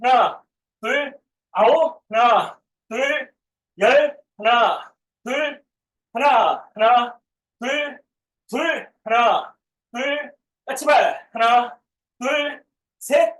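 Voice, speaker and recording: A woman's voice: fairly high pitch, extremely slow, pauses often. A woman working as a gym coach, leading a group workout with counted reps and short commands. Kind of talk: live workout class with counted reps and cues. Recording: echoey room, far from the mic.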